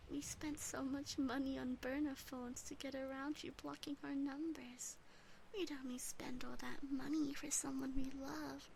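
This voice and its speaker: Woman as high, breathy, possessive demon sister. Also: a little hiss or hum, low-quality recording. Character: possessive, affectionate female demon sister, haughtily embarrassed. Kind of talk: ASMR roleplay. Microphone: close binaural microphone.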